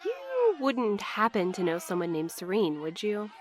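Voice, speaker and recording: A woman's voice: medium pitch, huge pitch swings, a little slow, slight background noise. A woman playing an earnest, hopeful courier in an audio drama, polite and inquisitive.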